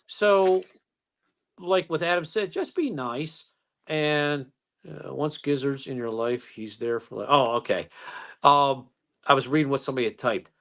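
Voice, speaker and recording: A man who is a police officer, telling stories calmly in a casual interview, with many fillers and restarts. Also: medium pitch, unhurried.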